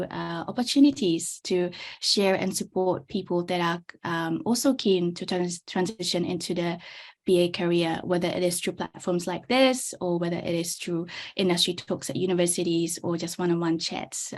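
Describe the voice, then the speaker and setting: A young woman from the Czech Republic presenting her career story in a chatty webinar talk. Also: on the low side. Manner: chatty, many fillers and restarts. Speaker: webinar speaker, business analyst. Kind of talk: presenting over shared slides.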